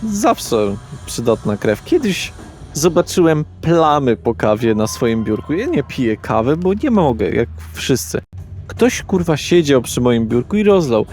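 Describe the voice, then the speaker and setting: Vampire lawyer for a role-play , male player: brash, chummy, colloquial, very lively intonation. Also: a little high, measured pace, faint music behind. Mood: indignant. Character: brash, self-important vampire lawyer in a suit. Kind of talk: improvised tabletop role-play.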